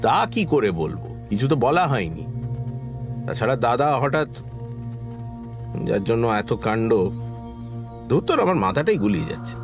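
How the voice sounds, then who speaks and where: A man's voice: medium pitch, big pitch swings, unhurried, long pauses. An actor playing an anxious but hopeful man, talking conversationally in an audio horror drama. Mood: flustered, worried. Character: anxious Bengali man, friend of the narrator, uneasy but hopeful. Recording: music behind the voice.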